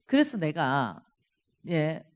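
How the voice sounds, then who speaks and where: A woman's voice: deep voice, sing-song, very slow. A woman preaching at a church revival meeting, reading scripture dramatically and stressing words hard. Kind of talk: sermon.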